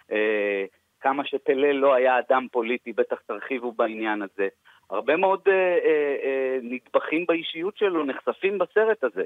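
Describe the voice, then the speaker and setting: A man's fairly high voice makes very wide pitch swings as he talks at a fairly slow pace. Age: 50s. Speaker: sports broadcaster. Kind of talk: casual chat.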